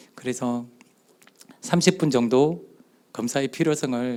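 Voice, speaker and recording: Speaking in a strong Gyeongsang accent, a man with a dark, mellow tone and a medium pitch uses lively intonation. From South Korea, Gyeongsang (Daegu and Busan). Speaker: church elder and doctor giving a talk. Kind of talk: testimony lecture at youth retreat.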